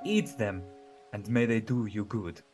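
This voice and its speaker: A man voicing a kindly, patient old woodcarver father, speaking louder and higher than his narration, emphatic and a little scolding. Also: animated, unhurried, soft background music. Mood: fatherly.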